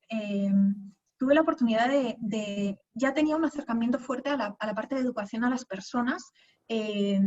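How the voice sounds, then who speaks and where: A woman from Madrid, Spain, speaks as a guest in a conversational webinar over a video call, full of fillers and restarts. Her fairly high voice is a little mellow, and the recording sounds muffled.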